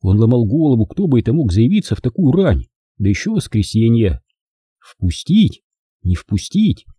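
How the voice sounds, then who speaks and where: A man narrating an audiobook in a lively, expressive storytelling manner. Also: mid-range voice, brisk, breathy edge, dry recording, clean studio sound. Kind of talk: scripted narration.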